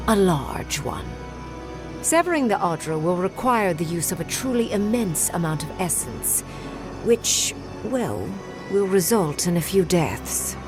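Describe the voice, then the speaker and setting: An actress playing a coolly rational scholar in a video game, speaking in a clinical, formal, measured way. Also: female voice, on the low side. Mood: matter-of-fact, hedging. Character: coolly rational female scholar weighing lives pragmatically.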